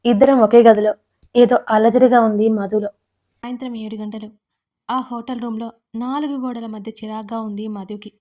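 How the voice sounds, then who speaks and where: A woman narrating an audio romance story in an expressive storytelling way, voicing all the characters herself. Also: fairly high pitch, moderate pace. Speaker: writer and narrator.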